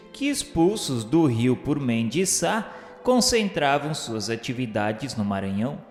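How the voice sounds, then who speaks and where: A man with a Brazilian accent narrating a scripted radio drama in a solemn, formal, literary way. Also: medium pitch. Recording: echoey long reverb, music behind. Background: music.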